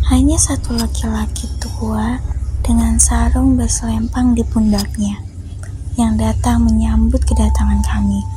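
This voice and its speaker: Noticeable background noise sits behind speech that moves at a fairly slow pace. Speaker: podcast host reading horror story. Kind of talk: horror story narration, reading aloud a first-person account. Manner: solemn tone, shifting to casual chatty host tone at the end.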